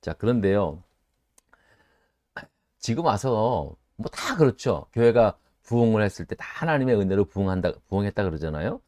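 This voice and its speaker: A middle-aged man pastor leading a Bible study sermon, speaking in an animated way, asking his listeners rhetorical questions and acting out quoted voices. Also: normal speed, no echo. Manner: acts out quoted voices with sudden jumps in pitch.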